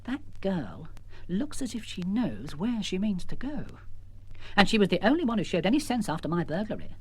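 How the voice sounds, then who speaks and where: A man voicing a curious, thoughtful jeweller musing to himself in a measured way in a children's story. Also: high voice, big pitch swings, breathy edge, heavily acted. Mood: pondering.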